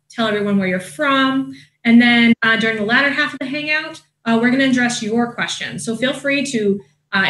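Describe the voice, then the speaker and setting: A woman's voice: a little high, fairly bright tone, echoey room, low-quality recording. A woman hosting an online alumni hangout, friendly and upbeat, with many "um"s and "uh"s. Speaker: admissions marketing manager hosting an online hangout. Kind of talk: casual moderated video chat.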